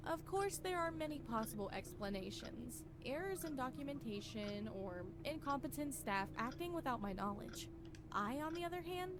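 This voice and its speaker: A woman playing a grave character in a horror game, reading sinister letters and diary entries aloud in a measured, formal, dramatic way. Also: fairly high pitch, background noise. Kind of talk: scripted horror game narration.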